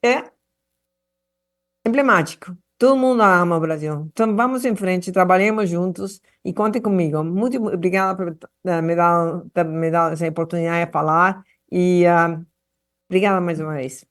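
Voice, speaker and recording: A woman from Argentina speaking Portuguese, giving an earnest address to a public hearing over a remote link, halting with frequent restarts and fillers. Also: on the low side. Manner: passionate, earnest.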